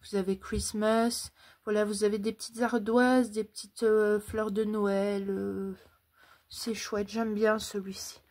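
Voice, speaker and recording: A woman talks through her holiday craft haul in a relaxed, casual way. She speaks in a middle pitch and searches for words often, filling pauses with little hesitations. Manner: hesitant, many fillers, describing items slowly. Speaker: craft YouTuber.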